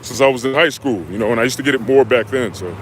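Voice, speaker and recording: A young man from the United States, a fitness coach answering viewers' questions on a live stream in a relaxed, slangy way. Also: mid-range voice, quick pace, noisy background. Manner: laid-back, slangy, talks straight to viewers with "y'all" and "man". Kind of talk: live stream Q&A, reading chat comments.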